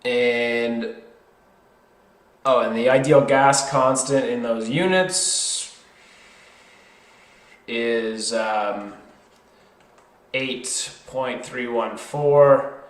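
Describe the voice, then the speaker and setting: A man's voice: medium pitch, fairly even intonation, very slow, pauses often. A man tutoring in an informal way, working through a problem step by step and thinking aloud. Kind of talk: worked chemistry problem lesson, explained step by step. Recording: roomy, echoey sound.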